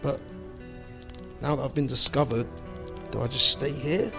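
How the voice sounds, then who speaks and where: A man's voice: mid-range voice, steady tone, a little slow, vocal fry, over music. A man acting in an amateur audio drama as a bewildered fugitive, speaking earnestly and expressively. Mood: worried. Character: bewildered fugitive man hiding among Sasquatches.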